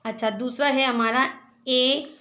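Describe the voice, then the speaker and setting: A woman teacher with an Urdu-speaking South Asian accent, giving a slow children's vocabulary lesson, spelling each word letter by letter and checking whether listeners follow. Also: high-pitched, fairly even intonation, pushed and bright. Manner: checks in with listeners, asking "clear?".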